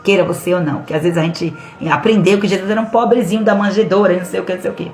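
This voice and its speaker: A middle-aged woman pastor with a Brazilian Portuguese accent preaching an expressive livestream sermon, acting out the voices she quotes. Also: fairly low pitch, very fast. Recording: roomy sound with faint music.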